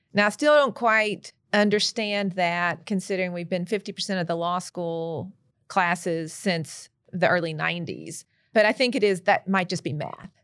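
A middle-aged woman hosts a podcast with an upbeat, reflective manner. Her voice sits at an ordinary pitch for a woman. It is recorded dry and close, with no room sound. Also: a bit bright, no echo. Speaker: podcast host. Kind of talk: casual podcast discussion.

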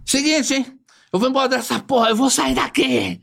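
Brief: a man doing a loud, volatile older woman boss, pitched way up and barking orders. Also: big pitch swings, moderate pace, gravelly, heavily acted. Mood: threatening. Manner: shouting, bossy.

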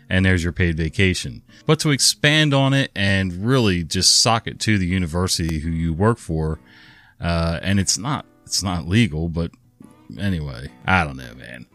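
A man's voice: sits low, fairly bright tone. A middle-aged man narrating online stories and commenting on them in a laid-back, rambling, blunt way. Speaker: story narrator and channel host. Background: faint guitar music.

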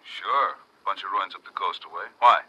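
An actor playing a brusque, worried American field manager with a blunt, slangy manner in a 1950s radio drama. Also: male voice, low voice, moderate pace, sharp tone, breathy edge, dull audio, heavily acted. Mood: brisk, questioning.

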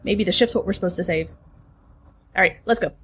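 A woman playing a tabletop game in character, lively and casually swearing. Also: on the low side, fairly quick, husky. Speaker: player.

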